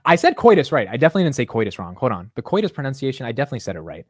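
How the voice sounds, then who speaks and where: A young man hosts a casual livestream, joking with his viewers and arguing playfully. His delivery is animated and self-mocking, with a mid-pitched voice. The sound is dry and close-miked. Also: racing, dry recording. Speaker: livestream host.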